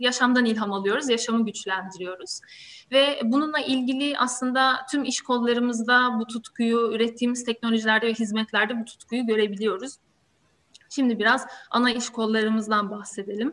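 This woman has a fairly high voice. Her intonation stays fairly even. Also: moderate pace. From Izmir, Turkey. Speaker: HR talent development manager. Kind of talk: online career talk with presentation. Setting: video call. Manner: frequent filler 'e', hesitant.

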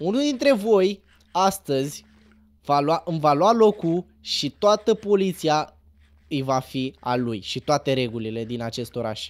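Speaking at a fairly slow pace, a man uses a fairly high pitch with very wide pitch swings. The recording is very clean, with a silent background. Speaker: gamer roleplaying police chief. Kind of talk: roleplay gaming chat. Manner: formal.

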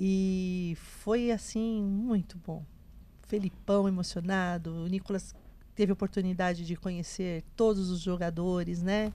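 A woman's medium-pitched voice, dark and mellow, fairly slow and flat in a monotone, in a dry sound with no echo. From Greater São Paulo, Brazil. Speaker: mother of blind football fan; talk show guest. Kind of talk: interview. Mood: warm, moved. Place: studio. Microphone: handheld.

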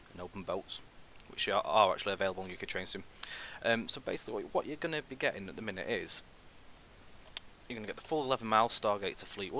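Over light background noise, a man talks at a very fast pace, the sound dry with no echo. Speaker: streamer. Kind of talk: live stream commentary. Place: home room. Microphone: headset.

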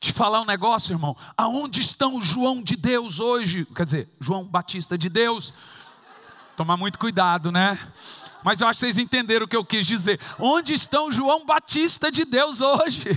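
The voice is raised and projected, with an animated tone. Intonation is lively and the pace moderate. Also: man, high pitch for a man. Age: 40s. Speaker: pastor. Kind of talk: sermon. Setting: church. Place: church. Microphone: headset.

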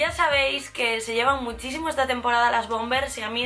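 A woman speaks at a fairly quick pace against light background noise. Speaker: fashion YouTuber. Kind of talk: casual talk to camera. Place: home room.

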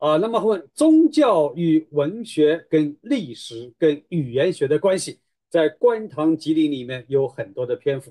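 Against a quiet background, a man with a fairly high pitch and a dark, mellow tone speaks very slowly. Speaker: professor. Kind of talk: lecture. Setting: video call. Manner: halting. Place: studio.

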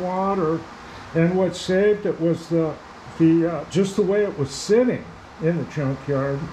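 A man with a high pitch at a fairly slow pace, amid audible room echo and light background noise. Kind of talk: casual explanatory workshop talk. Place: garage. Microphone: phone near.

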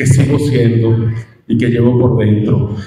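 There is audible room echo and light background noise. A man speaks at a fairly slow pace. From Venezuela. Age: 60s. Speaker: politician. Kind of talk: political speech. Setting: stage with audience. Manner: animated. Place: hall. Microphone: camera far.

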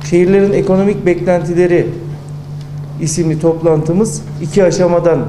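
Over noticeable background noise, the speech holds a fairly even intonation. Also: man. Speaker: provincial party chairman. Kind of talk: formal speech. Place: meeting room. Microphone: handheld.

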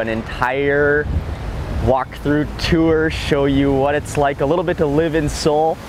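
A man's fairly slow speech, dry with no echo, with noticeable background noise. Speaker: travel vlogger. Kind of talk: casual vlog chat. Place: street.

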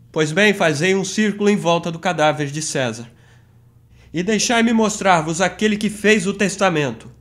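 A man speaks in a theatrical tone with a high pitch and a moderate pace. The recording is very clean, with a silent background. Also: ordinary pitch variation. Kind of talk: dramatic audiobook narration of a play, voicing several characters. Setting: studio recording. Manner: theatrical, declamatory, shifting between characters.

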